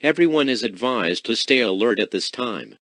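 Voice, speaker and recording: A man's voice: medium pitch, expressive, moderate pace, fairly bright tone, no echo, studio quality. A man reading a formal scripted emergency alert as a broadcast announcer.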